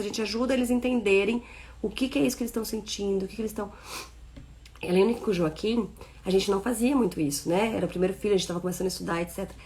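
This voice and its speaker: A Brazilian woman in her thirties reads from a parenting book to an online group, then pauses to explain in her own words. Her voice sits a little high. She drops into gentle baby-talk when she acts out what parents say. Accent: Brazilian Portuguese. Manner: reads a passage, then comments warmly with playful baby-talk asides. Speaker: book study leader.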